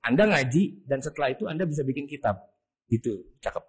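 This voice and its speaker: A man's voice: mid-range voice, lively intonation, fairly quick, husky. A man with an Indonesian accent giving a casual religious study talk, chatty and colloquial, full of rhetorical questions. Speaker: Islamic jurisprudence teacher.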